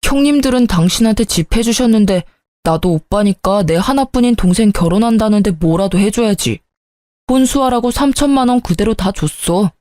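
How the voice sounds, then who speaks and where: A woman's voice: medium pitch, animated, normal speed, darkish tone, no room sound, clean studio sound, close to an everyday voice. A woman voicing a defensive, self-justifying young husband in a story reading, brusque and dismissive. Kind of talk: storybook narration.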